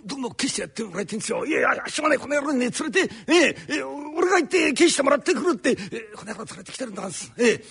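A male rakugo storyteller voicing a fiery middle-aged master carpenter in rough Edo downtown speech, shifting from polite pleas to a rapid stream of insults. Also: very high voice, animated, fairly bright tone, heavily acted. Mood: pleading politely. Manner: polite pleading turning into a fast, rough tirade.

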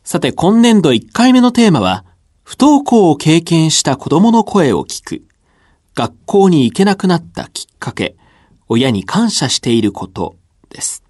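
A man hosting a radio program as its announcer, reading a polite, measured script in a studio. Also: a little high, very animated, darkish tone, dry recording. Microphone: studio microphone.

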